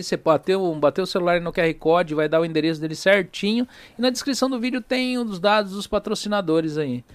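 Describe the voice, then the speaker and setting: A man hosts a podcast from a small studio, talking in a fairly high voice. The sound is dry and close, with no room around it. He keeps the chat loose and joking, and he checks in with the listener all the time. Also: no echo. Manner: chatty, jokey, fills with "né?" and "tá entendendo?". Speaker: podcast host. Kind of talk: casual podcast chat with sponsor reads.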